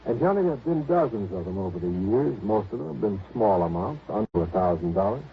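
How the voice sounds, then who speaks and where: A man's voice: on the low side, big pitch swings, quick pace. An actor playing an earnest, fussy male insurance manager in a 1950s radio drama, businesslike and emphatic. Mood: explaining. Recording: dull vintage radio recording, faint noise.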